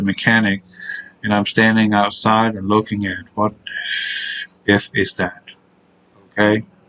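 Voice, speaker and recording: A man's voice sounds out over noticeable background noise. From Denmark. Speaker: video blogger. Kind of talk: casual vlog commentary. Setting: outdoors.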